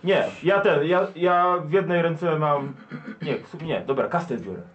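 A man's voice: fairly high pitch, moderate pace, far from the mic, muffled recording, slight background noise. A man playing a tabletop roleplaying game, curious and insistent with his questions. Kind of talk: in-character roleplay chat.

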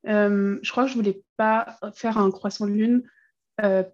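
A woman's voice: mid-range voice, steady tone, unhurried, highs cut off, a little hiss or hum. A woman illustrator answering questions in a casual podcast interview, chatty and laughing often between filler words. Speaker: illustrator guest.

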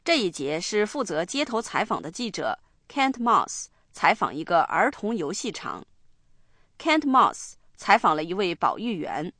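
A woman hosting a radio language lesson, explaining slowly and spelling words out one letter at a time. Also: medium pitch, big pitch swings, bright, forceful tone, no echo, clean studio sound. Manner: slow, deliberate explaining and spelling. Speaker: language program host. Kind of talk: bilingual lesson narration.

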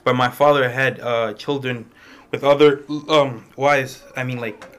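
Young male student, bright tone, informal storytelling to a small group. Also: mid-range voice, fairly even intonation, a little slow. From Malawi. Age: young adult. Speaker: international student speaker. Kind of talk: personal testimony to a small group.

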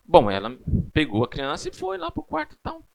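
A man's voice: on the high side, wildly swooping pitch, fairly quick, vocal fry, darkish tone. A man in his thirties with a Brazilian Portuguese accent, teaching a church class in a casual, chatty way full of personal stories and tag questions.

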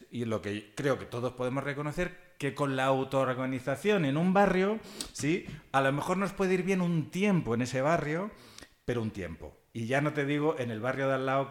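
A man from Catalonia speaks as a panelist in a relaxed but thoughtful discussion. He talks in a lively, discursive way. He checks in with short tag questions and lets out small chuckles as he builds his points. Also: mid-range voice. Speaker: panelist at a book presentation. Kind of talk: conversational academic discussion.

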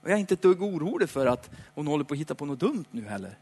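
A man preaching a sermon in a chatty, playful way, slowing down for dramatic emphasis. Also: fairly high pitch, very animated, darkish tone, slightly rough. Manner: conversational, dramatic slowdowns, playful asides. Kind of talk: lively sermon. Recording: hall reverb.

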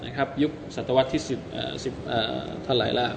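A man giving a Quran commentary lecture, animated and emphatic, addressing listeners as brothers. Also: medium pitch, fast, gravelly, long reverb tail, noisy background. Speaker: Islamic teacher.

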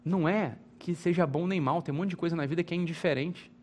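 A man's voice: on the high side, quick pace, a little mellow. A Brazilian man giving an informal spoken lecture, emphatic and repetitive, often checking with his listeners through rhetorical questions. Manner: repeats phrases, restarts. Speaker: teacher.

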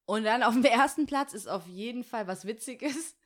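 A woman's voice: fairly high pitch, moderate pace. A woman co-hosting a podcast in casual, slangy chat full of fillers. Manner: chatty, slangy, many fillers. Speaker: podcast co-host.

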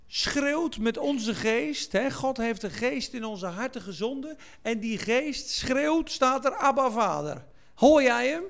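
A man preaching a sermon, slow and emphatic, at times crying out or singing lines. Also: high voice, creaky. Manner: slow, emphatic delivery, swelling to shouts and sung lines.

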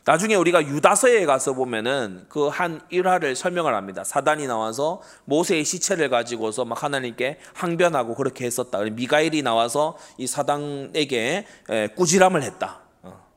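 Animated middle-aged male pastor preaching. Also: medium pitch, normal speed. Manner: earnest, emphatic preaching with rhetorical questions. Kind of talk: sermon.

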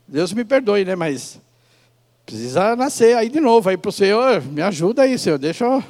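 High-pitched male preacher in his fifties. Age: 50s. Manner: conversational, addresses listeners directly with rhetorical questions. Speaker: pastor preaching to a congregation. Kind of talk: informal sermon with personal storytelling.

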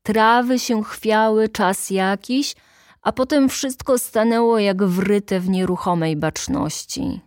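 An audiobook narrator, a woman with a medium-pitched voice, reads a literary work in a measured, deliberate manner, using dramatic pauses. She is close to the microphone, and there is no echo.

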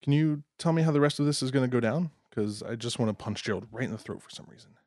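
A man's voice: medium pitch, fast, darkish tone, no room sound, studio quality, close to an everyday voice. A man plays a loyal, protective male friend in an audio drama. He is casual and a bit hot-headed, with a mid-range voice and no room sound.

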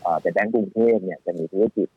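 A man talks through stock picks quickly, with restarts and fillers. His voice sits low and dry. It comes through a narrow, phone-like line with faint music under it. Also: slightly rough, no room sound. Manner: animated, speaks fast with many restarts and fillers. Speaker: stock market guest analyst. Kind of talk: casual financial talk.

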